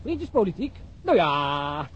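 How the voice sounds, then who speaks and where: A man's voice: on the high side, sing-song, measured pace. An actor playing a catty, gushing male radio reporter who addresses listeners in an arch, confidential way in a radio drama. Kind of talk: radio drama parody of live outside-broadcast commentary. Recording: dull, noisy old radio drama recording.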